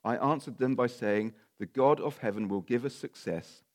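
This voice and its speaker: A man preaching a sermon and reading scripture aloud, his voice croaky and a little nasal from a cold, with informal asides. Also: medium pitch, normal speed.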